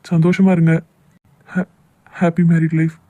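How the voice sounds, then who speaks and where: A man's voice: fairly high pitch, level tone, unhurried, highs cut off, very noisy, close to an everyday voice. A man playing a hurt, jealous young lover in a cartoon love drama, with a southern Tamil Nadu accent. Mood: hurt, sarcastic.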